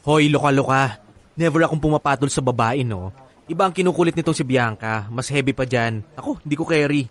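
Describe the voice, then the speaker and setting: A man's voice: medium pitch, fairly quick, lightly acted. An actor with a Filipino accent playing a haughty, exasperated gay man in a radio comedy drama, with campy, dismissive exclamations. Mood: indignant.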